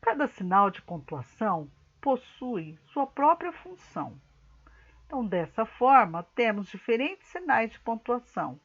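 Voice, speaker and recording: Female teacher, recorded class lesson, slow careful explaining, dull lo-fi sound. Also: mid-range voice.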